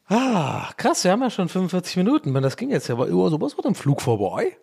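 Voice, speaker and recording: A man's voice: high-pitched, huge pitch swings, fast, creaky, darkish tone, husky. A man in his thirties from Dublin, a native English speaker, hosting his own podcast in a rambling, self-mocking casual chat full of fillers, restarts and playful swearing. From Ireland, Dublin. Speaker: podcast host.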